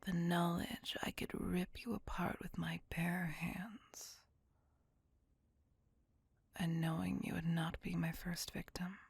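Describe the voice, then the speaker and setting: A woman breathes life into an ancient, tormented vampire woman who never raises her voice above a whisper. Her low, gravelly hush is husky and breathy, brooding and possessive. Close and dry, it sits right at the listener's ear. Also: flat delivery, no echo, exaggerated voice. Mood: brooding menace. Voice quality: whispered throughout. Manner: slow, brooding, intimate. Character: centuries-old female vampire, tormented and possessive. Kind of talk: ASMR audio roleplay.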